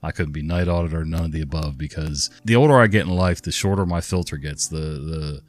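A man's voice: a bass voice, fairly even intonation, brisk, no room sound. A middle-aged man narrating online stories and commenting on them in a laid-back, rambling, blunt way. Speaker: story narrator and channel host. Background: faint guitar music.

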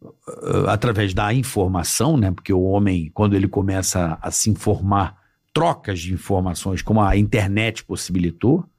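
A man's voice: fairly low pitch, a little mellow, husky. A man hosting a podcast, talking casually and thinking aloud with frequent restarts and repeated words. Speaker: podcast host, former radio presenter. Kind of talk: casual chat.

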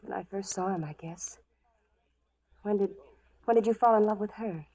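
A woman's voice: medium pitch, moderate pace, warm tone, breathy edge. An actress playing a proud, lovelorn, bold frontier woman in a radio western, speaking directly and challengingly, with yearning. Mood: earnest, determined. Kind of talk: 1940s radio western acting.

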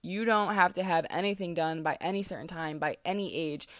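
A woman's voice: fairly low pitch, a little fast, a bit bright, no echo. Candid young woman, dry close sound. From US East Coast. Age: 20s. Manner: candid, rambling, many fillers and restarts. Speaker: podcast host. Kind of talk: casual solo podcast monologue. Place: closet, small room.

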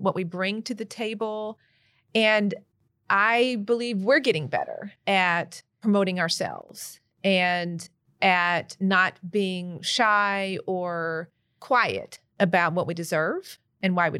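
A woman's voice: medium pitch, a bit bright, no echo. A middle-aged woman hosting a podcast, talking in a conversational, upbeat and reflective way. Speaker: podcast host. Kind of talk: casual podcast discussion.

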